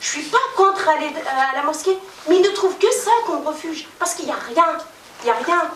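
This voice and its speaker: An extremely high-pitched woman speaks at a fairly quick pace, with audible room echo and noticeable background noise. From Kabylie, Algeria. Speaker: audience member at a public debate. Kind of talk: audience comment in a debate. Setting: public debate with audience. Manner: hesitant, many fillers.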